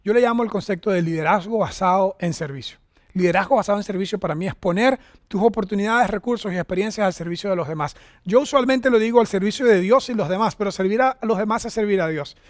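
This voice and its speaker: High-voiced preacher from Venezuela, dry sound. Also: male voice, quick pace, no room sound. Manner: animated storytelling, acting out voices. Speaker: pastor. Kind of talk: sermon. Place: Costa Rica church setting.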